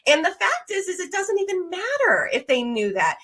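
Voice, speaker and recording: A woman's voice: very high-pitched, huge pitch swings, normal speed, a bit bright. A woman hosting a casual interview, speaking in an affirming, emphatic, conversational way. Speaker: podcast host.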